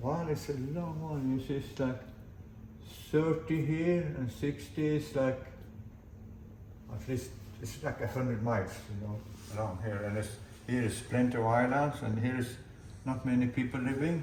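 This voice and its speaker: With audible room echo and noticeable background noise, a man of medium pitch speaks at a moderate pace, with ordinary pitch variation and long, frequent pauses. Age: 80s+. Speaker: sailor and boat designer. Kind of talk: casual chat.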